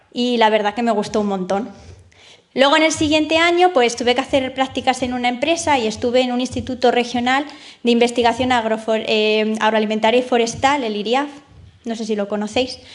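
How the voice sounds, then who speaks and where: This woman has a high pitch and ordinary pitch variation. She talks at a fairly quick pace. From Spain, Castilla-La Mancha (Ciudad Real). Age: 20s. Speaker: chemistry PhD student and science communicator. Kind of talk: public talk. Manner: hesitant, many fillers.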